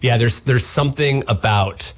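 A man's voice: medium pitch, normal speed. A man in his forties with a Canadian accent, chatting easily as a radio guest and rambling through his answers. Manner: easygoing, rambling with frequent "uh" and restarts. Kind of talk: relaxed interview chat. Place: radio studio.

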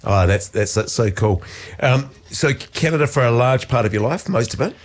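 A man's voice: medium pitch, animated, moderate pace. A man with a New Zealand accent hosting a radio interview, friendly and chatty, laughing often. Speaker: radio show host. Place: radio studio.

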